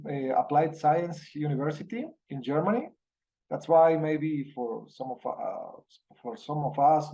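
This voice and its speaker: Colombian man lecturing haltingly. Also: a little high, darkish tone, rough recording. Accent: Colombian Spanish. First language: Spanish. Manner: halting, many fillers and restarts. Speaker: university professor. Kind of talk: online masterclass lecture.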